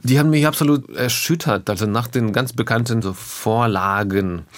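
A man from Russia, a native Russian speaker, talking as a musician guest in a radio interview, thoughtful and often pausing to find his words. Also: mid-range voice, dry recording. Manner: thoughtful, searching for words with pauses.

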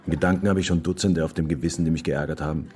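A man's voice: a bass voice, fairly even intonation, very fast, darkish tone, a little hiss or hum. An actor playing a dry, dismissive male lover, offhand and teasing, in a literary radio drama.

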